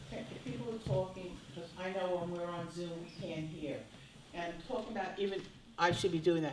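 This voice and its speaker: Noticeable background noise sits behind talking that goes at a fairly quick pace. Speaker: town board member. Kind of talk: public meeting. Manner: loud.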